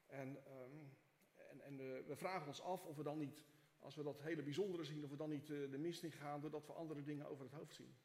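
A man preaching from the pulpit, his voice a touch higher than most. He reads the scripture with lively expression, then slows into soft, halting prayer. The sound carries a long church reverb. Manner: reads scripture expressively, prays softly with hesitations. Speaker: pastor. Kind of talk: sermon with scripture reading and prayer. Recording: echoey church hall.

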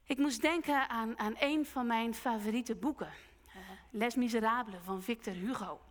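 A woman preacher giving a sermon, retelling a story slowly and earnestly and voicing its characters along the way. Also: on the high side. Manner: slow, earnest retelling with quoted voices. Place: church hall. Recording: long church hall reverb.

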